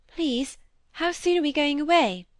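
A woman reading an audiobook, voicing a tearful, anxious young girl in a high, trembling, pleading voice. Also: animated, unhurried, dry recording. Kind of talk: audiobook character voice.

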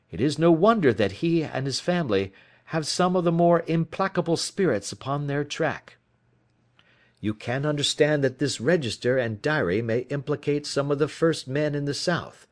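A man reading aloud, voicing Sherlock Holmes as a keen, brisk detective in a crisp, emphatic, declamatory way. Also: medium pitch, pitched above the performer's own voice, close to an everyday voice. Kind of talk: audiobook character reading.

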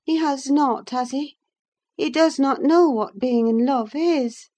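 A woman's voice: high voice, takes it slowly, warm tone, pitched above the performer's own voice. A woman reader voicing a passionate, headstrong young woman torn in love, speaking with impassioned fervor. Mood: uneasy. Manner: fervent, impassioned declaiming.

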